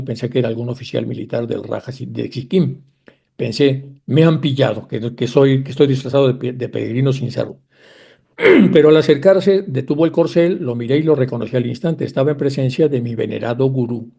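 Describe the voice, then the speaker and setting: A man giving a lecture, reading long passages aloud with frequent restarts and pauses. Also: medium pitch, vocal fry, dark tone, husky. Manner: reads aloud a long first-person account with frequent restarts.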